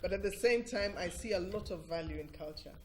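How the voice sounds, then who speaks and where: A middle-aged woman with a Ugandan accent, speaking as an interview guest in an earnest, emphatic and deliberate explanatory way. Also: on the low side, a crowd in the background, poor audio. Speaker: interview guest, cultural organisation director. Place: TV breakfast show interview.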